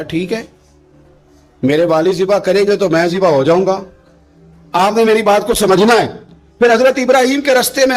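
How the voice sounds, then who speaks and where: A man preaching a sermon as a dramatic story, impassioned, rising to shouts and slowly intoning scripture. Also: sits high.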